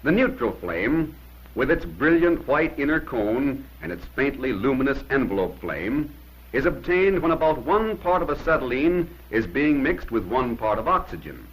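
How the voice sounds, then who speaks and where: Speaking in a mid-range, husky voice with big pitch swings, a man narrates a 1950s instructional film at normal speed. His short commands are emphatic and plain-spoken. The rough recording is an old film soundtrack.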